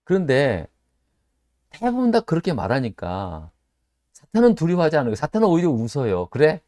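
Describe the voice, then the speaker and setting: Animated middle-aged preacher, dry sound. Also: male voice, normal speed, dry recording. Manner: animated preaching, rhetorical questions to listeners; acts out quoted voices with sudden jumps in pitch. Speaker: pastor. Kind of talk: Bible study sermon.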